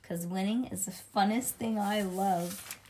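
A woman voicing a boastful, excitable kindergarten girl who narrates her day in childish grammar, as in a storybook read-aloud. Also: medium pitch, a little slow, slight background noise, natural voice, poor audio. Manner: childish grammar, bragging, dramatic emphasis.

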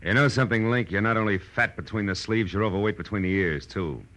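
A man's voice: on the low side, fast talker, a bit bright, natural voice. An American man playing a sardonic, tough private detective in a 1940s radio drama, with clipped, wisecracking delivery. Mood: sardonic, defiant. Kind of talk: 1940s radio detective acting and first-person narration.

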